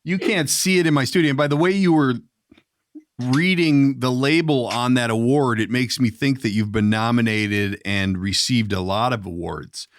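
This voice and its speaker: A man's voice: medium pitch, normal speed, no room sound. A middle-aged man hosting a casual comedy podcast, joking and conversational as he interviews. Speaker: podcast host.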